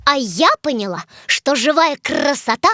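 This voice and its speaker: High, animated cartoon girl presenter. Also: normal speed, dry recording, clean studio sound. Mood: enthusiastic. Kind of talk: scripted cartoon dialogue.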